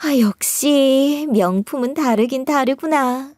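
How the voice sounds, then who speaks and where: A woman's voice: high-pitched, slow pace, a little mellow, no echo, studio quality, pitched above the performer's own voice. A woman voicing a brash young sister-in-law who talks in a whiny, wheedling and pushy way. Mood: gushing.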